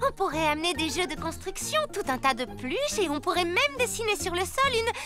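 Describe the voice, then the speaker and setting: A woman's voice: extremely high pitch, expressive, brisk. A woman playing a stylish, opinionated little girl in a French-dubbed children's cartoon, perky, emphatic and a little vain. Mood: excited. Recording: loud cartoon music behind voice.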